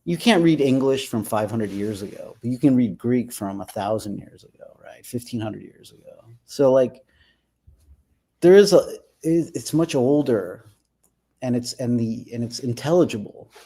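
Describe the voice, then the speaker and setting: A man from the United States with a gravelly edge to his voice, speaking as a guest in a relaxed interview. He works through his ideas out loud, circling back and repeating words as he goes. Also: medium pitch, normal speed. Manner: thoughtful, repeats words while forming ideas. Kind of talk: casual conversation.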